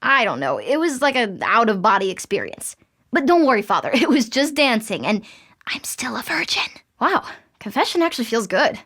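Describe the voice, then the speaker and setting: A woman playing an excitable, cheeky fourteen-year-old Latina girl who rambles dramatically and candidly in a comic audio drama. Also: on the high side, moderate pace, exaggerated voice. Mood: giddy confessing. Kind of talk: comic audio fiction acting.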